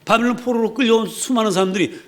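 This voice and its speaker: A man's voice: very high-pitched, rapid-fire. A man preaching a sermon in a conversational way, asking the congregation questions and acting out the voices of the people he quotes. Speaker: pastor.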